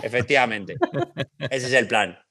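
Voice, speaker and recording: A man's voice: mid-range voice, normal speed, bright, forceful tone. A man, a guest on a chat show, talking casually in a jokey, playfully competitive way.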